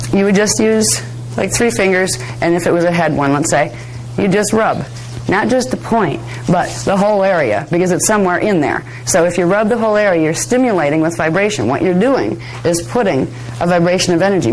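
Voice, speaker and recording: Female workshop instructor, lowish pitch, a little hoarse, conversational delivery, faint noise in the recording. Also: darkish tone, poor audio. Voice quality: slightly hoarse, raspy. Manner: conversational, chatty, self-deprecating asides. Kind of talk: informal workshop lecture with demonstration. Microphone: worn or held microphone close to the face.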